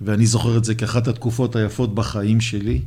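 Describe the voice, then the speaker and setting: Audible room echo surrounds the voice of a man. He speaks at a moderate pace and a medium pitch. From Israel, Jerusalem. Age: 60s. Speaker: podcast host. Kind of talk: casual interview.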